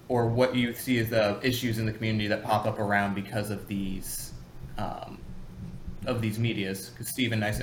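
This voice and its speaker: A man's voice: fairly low pitch, fairly bright tone. A man hosts a podcast and asks questions over a video call, hesitating often. His voice echoes in the room he is in. Faint background noise sits under the call. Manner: hesitant, many "uh" and "um". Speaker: podcast host. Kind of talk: casual interview questions. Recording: roomy echo on a call.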